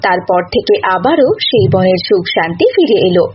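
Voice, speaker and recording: A woman's voice: fairly low pitch, lively intonation, normal speed. A woman reading scripted narration for a cartoon animal tale. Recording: muffled audio with faint noise.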